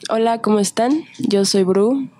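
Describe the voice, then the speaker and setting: A woman's voice: fairly high pitch, unhurried, warm tone, no room sound. Bubbly young woman with a Tijuana accent. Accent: northern Mexican Spanish (Tijuana). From Tijuana, Mexico. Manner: bubbly, laughs easily. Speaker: guest, independent musician. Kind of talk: casual interview chat.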